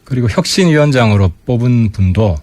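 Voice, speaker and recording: A man guesting on a radio current-affairs interview as a lawmaker, giving pointed, sharp-tongued political commentary into a studio mic. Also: medium pitch, animated, brisk, dry recording.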